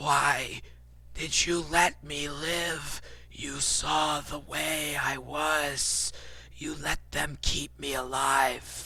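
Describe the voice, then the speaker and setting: Whispering in a raspy, put-on character voice, a man goes at a very slow pace with light background noise behind him. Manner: anguished, accusing.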